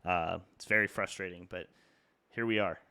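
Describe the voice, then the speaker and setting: A man's voice: low-pitched, fairly even intonation, normal speed, gravelly, bright, forceful tone, smooth, dry recording. A young man with a stuffy, congested nose from a cold, casually talking through stock charts with lots of fillers and restarts. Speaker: market analysis YouTuber. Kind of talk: casual trading chart talk.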